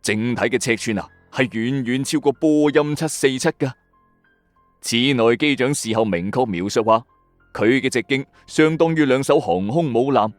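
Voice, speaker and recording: Male Cantonese narrator from a Hong Kong late-night mystery show: lively swooping delivery, dry close sound, music underneath. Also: medium pitch, no room sound. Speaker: storyteller host of a mystery radio channel. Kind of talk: dramatic scripted mystery narration.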